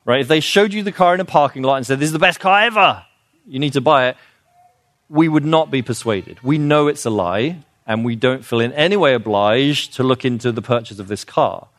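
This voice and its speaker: A man's voice: medium pitch, expressive, normal speed, no echo. Earnest man in a dry, close recording. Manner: earnest, explanatory, with frequent restarts and fillers. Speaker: speaker on children's literature. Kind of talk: informal lecture.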